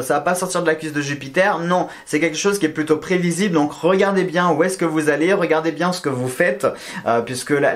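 A man giving a casual weekly horoscope reading, joking around and counting scores aloud. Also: a little high. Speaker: astrology and tarot reader.

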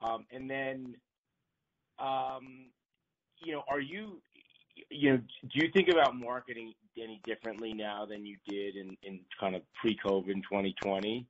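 A man's voice: medium pitch, steady tone, normal speed. A male financial analyst asking questions on an earnings call in hesitant, circling phrases. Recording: muffled conference call line.

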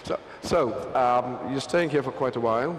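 A man's voice: medium pitch, moderate pace. An older man hosting a live stage interview on a large concert stage, chatty and laughing, on a handheld mic. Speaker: show host. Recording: arena reverb with crowd noise.

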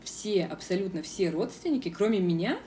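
A woman's voice: mid-range voice, lively intonation, moderate pace, mellow, distant mic, slight background noise. A young woman from Russia answering viewers' questions in a casual vlog, frank and firm, with many hesitation sounds. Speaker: vlogger. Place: outdoors in a city square.

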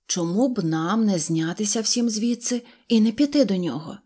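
A woman's voice: medium pitch, animated, moderate pace, dark tone, natural voice. A woman voicing a timid but clever little male rag toy dog in a storybook, speaking shyly and earnestly. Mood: eager. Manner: shy, eager, earnest.

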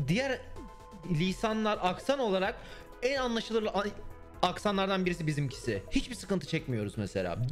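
A young man, chatting casually with his stream viewers in a blunt, swearing manner. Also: high voice. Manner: blunt, swears and mocks freely. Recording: faint music underneath.

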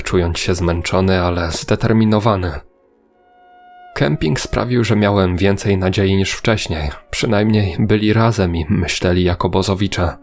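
Male horror storyteller, low-pitched and creaky, scripted first-person narration. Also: a little mellow.

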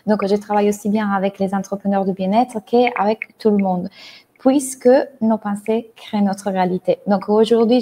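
A woman in her thirties from Italy, speaking French with an Italian accent, explaining ideas as a mindset coach on a video call, talking with lively hand gestures. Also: mid-range voice, a little hiss or hum. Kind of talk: online talk, explaining to a live audience. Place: bright room at home, indoors. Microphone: earphone headset mic on a video call.

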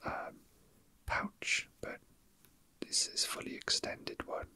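A man whispering softly and breathily in a casual, hesitant ASMR style, chatting and reading aloud without hurry. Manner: slow, hesitant, unhurried. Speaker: ASMR video creator. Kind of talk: whispered ASMR, casual chat with read-out facts.

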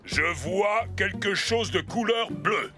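A man voicing a matter-of-fact, obliging giant tower crane in a children's cartoon, with deliberate, slightly showy delivery. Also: high-pitched, music in the background. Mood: playful. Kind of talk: children's animated cartoon dub.

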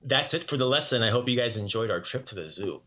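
A man teaching a casual language lesson in an upbeat, chatty way, repeating words slowly for learners. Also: mid-range voice, animated, bright, forceful tone.

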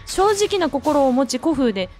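A woman reading out the lines of a deranged, obsessive male killer from a horror game in a flat, read-aloud way. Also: high-pitched, normal speed, slight background noise.

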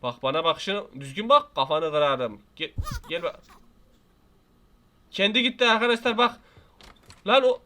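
A young man with a Turkish accent, giving excitable, jokey let's-play commentary and playfully scolding the game's baby. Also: high-pitched, normal speed, long pauses. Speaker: gaming YouTuber.

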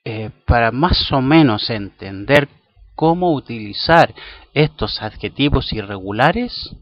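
A man's voice: medium pitch, lively intonation, takes it slowly. A man whose first language is Spanish, teaching an English grammar lesson in a playful way, repeating words aloud to drill pronunciation. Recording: dull lo-fi recording.

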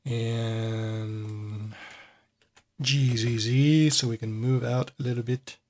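A man hosting a casual screen-recorded tutorial, his voice at an ordinary middle pitch. He thinks aloud as he works, loose and unhurried. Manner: thinking aloud with fillers and restarts, relaxed. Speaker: software tutorial host.

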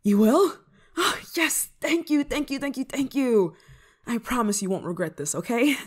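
A woman's voice: medium pitch, big pitch swings, fairly quick, slightly rough. A woman playing an eager, affectionate, scatterbrained novice witch in an ASMR roleplay, coaxing the listener in a giggly manner. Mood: pleading, excited. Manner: giggly, coaxing, hesitant asides. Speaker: roleplay voice performer.

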